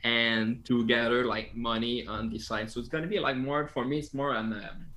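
A man speaking English with a French accent, native French, in an easygoing conversation as a guest. He hesitates, circles back and restarts his sentences, laughing often along the way. His voice sits at an ordinary, middling pitch. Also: steady tone, normal speed, sharp tone, a little hiss or hum. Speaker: podcast guest, app founder. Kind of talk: casual conversation.

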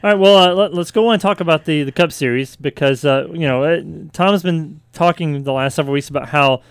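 Male host for a sports talk debate: quick, smooth delivery, steers the talk and ribs his co-hosts. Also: on the high side, no room sound. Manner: leads topics, jokes and teases co-hosts.

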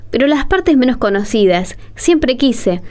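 A woman's voice: a little high, big pitch swings, a little slow, mellow. A woman playing a bold, curious blind woman in a radio drama, playful and insistent in her questioning.

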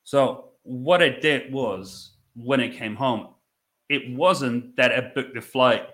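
A Dutch-accented man in his thirties from the Netherlands, a business owner appearing as a podcast guest, tells his story conversationally. His medium-pitched, fairly bright voice sounds reflective, with halting phrasing and repeated words.

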